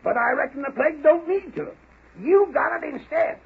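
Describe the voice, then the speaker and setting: Creaky, cantankerous old frontier codger. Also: male voice, very high-pitched, animated, normal speed, full character voice. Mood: grumpy, blustering. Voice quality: creaky, cracking old-timer voice. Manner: blustering, scolding. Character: cantankerous old frontier father, a fire eater. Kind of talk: 1930s radio acting. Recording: tinny 1930s radio recording.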